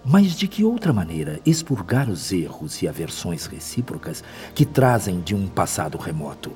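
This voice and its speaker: An actor with a Brazilian accent playing a wise, gentle male spirit mentor in a radio drama, speaking in a measured, solemn, didactic way. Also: low-pitched, very animated. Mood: solemn, caring. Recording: long reverb, music behind.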